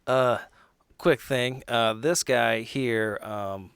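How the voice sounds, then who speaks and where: A man chatting casually as a tabletop game player, halting and wisecracking as he slips into character. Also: mid-range voice, a bit bright, smooth, dry recording.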